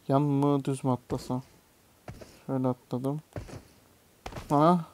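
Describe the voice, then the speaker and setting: A man's voice: a little high, warm tone. A young man gives casual commentary while playing a mobile game, muttering to himself and swearing or yelping when a jump fails. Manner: muttering, swears and yelps at failed jumps. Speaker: gaming YouTuber.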